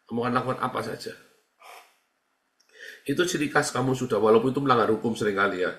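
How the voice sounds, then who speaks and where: Pastor guy chatting thru a teaching, bright edgy voice, repeats himself a lot, echoey room. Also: medium pitch, fast talker. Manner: conversational, repeats phrases, acts out quoted dialogue. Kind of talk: casual teaching talk. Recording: roomy echo.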